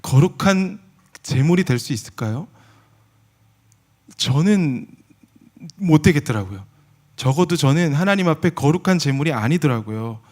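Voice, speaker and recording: A male missionary delivers a sermon in a large church sanctuary, his voice high and strikingly expressive. He tells his story animatedly and slips into acting out prayers and dialogue. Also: moderate pace, pauses often. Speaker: missionary preacher. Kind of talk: sermon with personal testimony.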